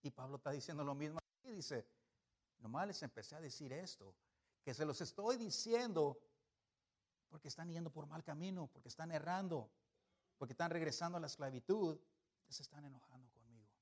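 Speaking quickly in a slightly high voice, a man preaches with lots of energy. Loud, emphatic moments give way to soft asides, and he peppers the congregation with rhetorical questions.

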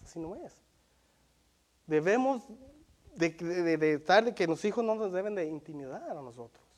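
A man preaching a sermon in Spanish, earnest and repetitive, often checking in with listeners and reading Bible verses aloud slowly. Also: sits high, darkish tone. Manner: earnest, repeats himself, asks the congregation "¿verdad?". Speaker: lay preacher.

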